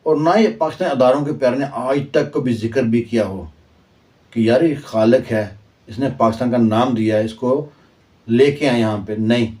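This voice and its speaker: Earnest man, dark voice, set back. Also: mid-range voice, normal speed, far from the mic. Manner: earnest, sprinkles in proverbs and verse. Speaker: online commentator. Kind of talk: impassioned historical storytelling.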